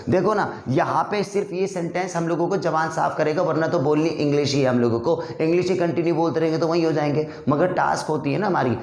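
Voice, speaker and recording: Brisk encouraging male English teacher. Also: on the high side, roomy sound. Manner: brisk, encouraging, addresses students as brother. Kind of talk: spoken English class.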